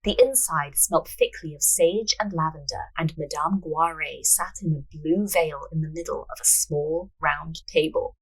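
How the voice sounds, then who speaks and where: Lower-pitched, husky woman narrating stories. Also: a little slow, few pauses, rough recording. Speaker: podcast host, writer and narrator. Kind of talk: story narration mixed with casual banter.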